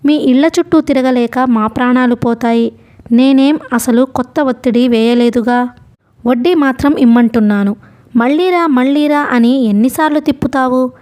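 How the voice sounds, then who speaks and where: A woman voicing a coarse, bullying male loan collector who shouts rudely, in a storybook reading. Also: high-pitched, moderate pace, natural voice. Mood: rough, scornful. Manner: loud, rude, shouting.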